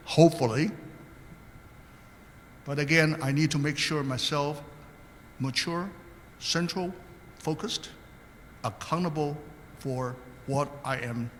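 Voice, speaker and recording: Older panel guest, earnest and anecdotal, slightly high voice, recorded in a reverberant hall. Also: male voice, a little hiss or hum. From Taiwan. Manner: earnest, anecdotal, with hesitant restarts. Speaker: guest speaker, state commissioner. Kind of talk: panel talk answering questions.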